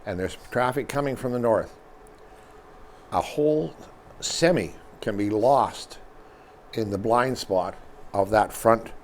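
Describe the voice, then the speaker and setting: Low-voiced older man, voice going. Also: slow, long pauses, slight background noise. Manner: folksy, talks step by step through everyday examples. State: losing his voice. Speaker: newspaper publisher co-hosting a news talk show. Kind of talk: casual conversational explanation.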